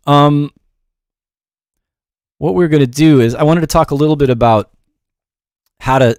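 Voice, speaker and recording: A middle-aged show host and music production teacher chats his way loosely through a livestream lesson, often making light of himself. His mid-range voice has a slightly mellow quality. The audio is clean studio sound with no echo.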